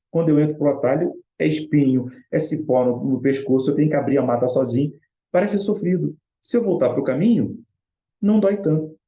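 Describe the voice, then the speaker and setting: A man's voice: on the high side, warm tone. A middle-aged Brazilian man speaking in an earnest, conversational way, telling a personal story in a Spiritist study talk. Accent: Brazilian Portuguese.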